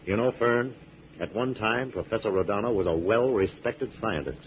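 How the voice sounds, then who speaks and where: A man playing a deep-voiced, gallant scientist hero. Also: normal speed, lightly acted. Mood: calm, explaining. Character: calm, gallant scientist crime-fighter hero. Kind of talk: 1940s radio acting. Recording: muffled old radio recording, faint hiss.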